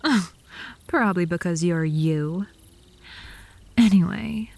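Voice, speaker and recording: Woman as an indignant, slow-talking vampire girl. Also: on the low side, gravelly, darkish tone, no echo, full character voice. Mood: haughty, sheepish. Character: indignant, lovesick young female vampire with a gun. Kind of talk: comedic roleplay ASMR audio drama.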